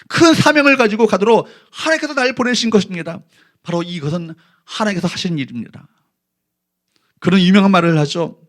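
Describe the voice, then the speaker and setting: A man's voice: high voice, fairly bright tone. A middle-aged male pastor preaching a sermon in a church, asking the congregation questions and leading them in reading scripture aloud. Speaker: senior pastor. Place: church sanctuary.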